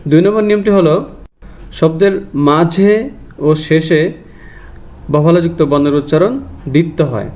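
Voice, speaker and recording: A man with a Bangladeshi Bengali accent teaching a grammar lesson to students, going through each rule methodically and repeating it slowly. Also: a little high, a little mellow.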